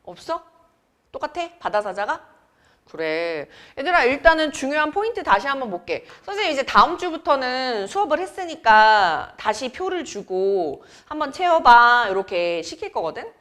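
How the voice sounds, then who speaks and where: A young woman teacher from Seoul talking to her class, with a slightly high and very animated voice that swoops up and down. She chats, teases and quizzes the students as she works through the lesson in a classroom. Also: moderate pace. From Seoul, South Korea. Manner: chatty, teasing, quizzes students. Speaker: academy Korean teacher. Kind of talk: classroom lecture.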